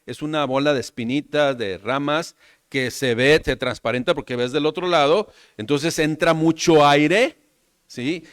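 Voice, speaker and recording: A pastor with a Mexican Spanish accent preaching a sermon, animated, often checking with his listeners and calling them brothers. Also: a little high, no room sound, studio quality.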